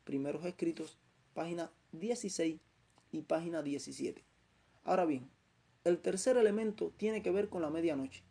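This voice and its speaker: Hombre cubano que predica con voz rasposa. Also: male voice, fairly high pitch, dark tone. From Cuba. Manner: slow, emphatic, repeats phrases for stress. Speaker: preacher. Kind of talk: Bible teaching sermon.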